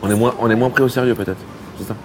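A man's voice: mid-range voice, steady tone, rapid-fire, noisy background. A male comedian in casual conversation, teasing and wry. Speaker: comedian guest.

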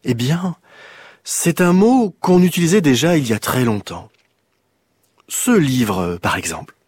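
A man voicing a kind, patient old grandmother who explains things gently in a storybook reading. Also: fairly high pitch, very animated, a little slow, breathy edge, no room sound, voice pushed up, heavily acted. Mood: explaining.

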